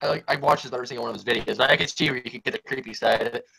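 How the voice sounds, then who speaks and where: A man's voice: medium pitch, racing, gravelly, sharp tone, slightly rough, poor audio. A man hosting a casual group stream, teasing the others and laughing often. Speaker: stream host. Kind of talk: casual chat.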